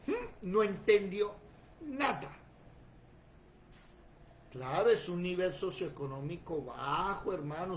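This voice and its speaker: A man leads a Bible class in a high, lively voice. He talks plainly and checks in with his students as he goes. A faint hiss of noise sits under the recording. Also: rough recording. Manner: animated, plain-spoken, asks the class questions. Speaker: Bible teacher.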